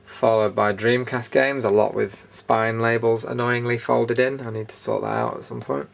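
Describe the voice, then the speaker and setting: Speaking at a moderate pace with vocal fry and fairly even intonation, a British host with a mid-range voice casually tours and shows items in an indoor studio room. Unscripted, matter-of-fact and dryly opinionated, he's recorded with noticeable background noise.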